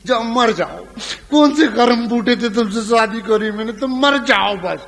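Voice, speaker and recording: An exasperated village wife scolds in a high, bright, shrill voice, as a male comic puts her on. She sounds fed up and nagging. The voice rings through a reverberant hall over a faint hum. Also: measured pace, gravelly, full character voice.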